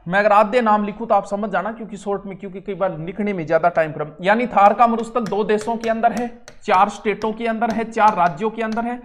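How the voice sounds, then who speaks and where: A man's voice: high voice, fairly even intonation, fast talker, hardly any pauses. A man with a Rajasthani accent teaching an exam-prep geography lesson, chatty and full of homely local examples.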